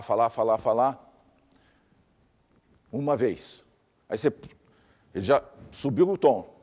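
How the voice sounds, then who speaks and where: A man lectures to a class, laying out his points in lists and repeating examples. His voice sits at an ordinary middle pitch for a man. The sound carries a long reverb, as in a hall. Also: darkish tone. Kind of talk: teaching lecture.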